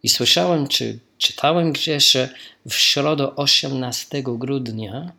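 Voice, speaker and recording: A man's voice: mid-range voice, measured pace, vocal fry, bright, forceful tone. A man from Australia, a native English speaker, speaking Polish as a learner with an Australian English accent, in careful phrasing with small slips, as in an informal recorded message.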